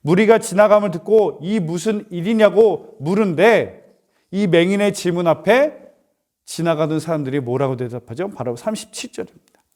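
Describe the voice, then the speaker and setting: A male pastor preaches to young people, retelling the scene with rhetorical questions and acted-out voices. His voice sits noticeably high for a man. He delivers it in a church. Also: moderate pace. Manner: animated, acts out voices, asks rhetorical questions. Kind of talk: youth sermon, storytelling.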